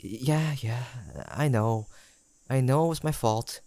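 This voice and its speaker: A man's voice: medium pitch, close to an everyday voice. A young man playing a tender, teasing best friend turned lover in an intimate romantic audio roleplay, speaking in a hesitant, conversational way. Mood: playful, incredulous. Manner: conversational, hesitant, halting delivery with sighs and soft chuckles.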